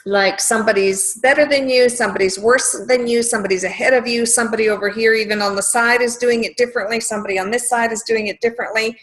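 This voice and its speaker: Brief: woman coach on a group call, encouraging, fairly high voice, casual fillers. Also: steady tone, quick pace, hardly any pauses, a bit bright, rough recording. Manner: encouraging, with frequent fillers and restarts.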